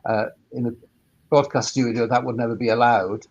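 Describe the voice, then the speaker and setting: Man giving halting, informal advice. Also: medium pitch, little pitch movement, muffled recording. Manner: halting, repeats words mid-sentence. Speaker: sound engineer and workspace operator on a panel.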